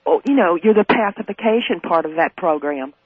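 A man's voice: high-pitched, animated, fairly quick, dry recording, muffled recording. A man calling in to a radio talk show, questioning the guest in a suspicious, challenging way. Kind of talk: call-in radio conversation.

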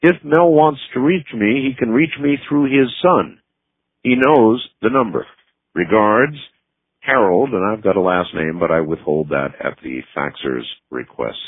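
A man hosting a late-night radio call-in show, speaking with a smooth radio host delivery as he reads letters aloud and takes calls. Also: fairly low pitch, measured pace, no room sound. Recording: narrow phone-like radio broadcast, dry.

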